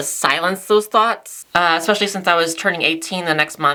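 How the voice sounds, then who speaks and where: A woman talks fairly quickly, her pitch varying in an ordinary way, while noticeable background noise continues. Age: 30s. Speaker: vlogger. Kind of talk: casual talk to camera.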